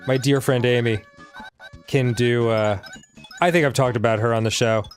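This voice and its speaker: A man's voice: mid-range voice, steady tone, normal speed, soft background music. A man co-hosting a casual let's-play, talking in a laid-back, rambling way and laughing easily. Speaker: co-host.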